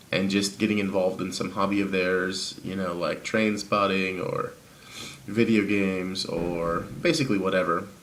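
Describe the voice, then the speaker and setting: A fairly low-pitched man with fairly even intonation, against noticeable background noise. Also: moderate pace. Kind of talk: casual talk to camera.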